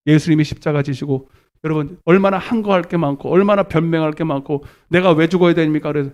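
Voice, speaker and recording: Animated male pastor preaching live. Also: a little high, fast talker. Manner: animated preaching, calls congregation to repeat, swings from shouts to murmurs. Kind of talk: live sermon. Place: church sanctuary.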